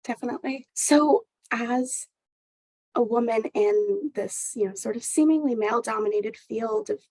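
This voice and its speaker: A woman's voice: a little high, moderate pace, dark tone, no room sound, rough recording. A woman hosting an interview podcast, asking questions in a hesitant way with many fillers.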